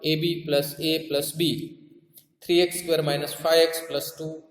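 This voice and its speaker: Male maths teacher, South Asian accent, slightly high voice, explains and repeats with tag questions, in a very reverberant room. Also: level tone, unhurried. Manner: repeats key terms and adds tag questions to check understanding. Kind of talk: classroom lesson explanation. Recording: echoey room with long reverb.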